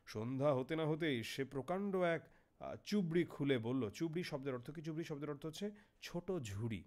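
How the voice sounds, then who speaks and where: A young man teaching a literary text, his voice sitting a little high for a man. He reads a line, then stops to ask what a word means and answers it himself. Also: lively intonation, a little fast, a little mellow. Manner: reads a passage, then explains each word with questions.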